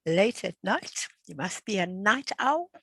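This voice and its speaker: A woman's voice: medium pitch, very animated, unhurried, creaky, a bit bright, husky, no echo. An older woman at home chatting as the instructor of an online class over a video call, friendly and full of fillers and restarts. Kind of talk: casual chat before an online class.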